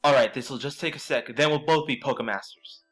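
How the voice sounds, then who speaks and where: A man's voice: mid-range voice, fairly quick, fairly bright tone, soft background music, lightly acted. A man playing a pushy, eager young brother in an audio drama, wheedling and insistent.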